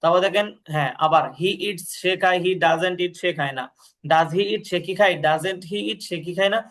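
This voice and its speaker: This English grammar tutor has a high, slightly bright voice with fairly even intonation. He slowly reads sentences aloud and then gives their translation, patiently repeating drills to confirm the student has understood.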